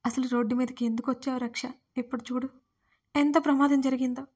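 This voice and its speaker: Tearful pleading young husband, voiced by a woman narrator, urgent, high level voice, audio story. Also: level tone, quick pace, a little mellow, slightly rough. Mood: pleading, grieving.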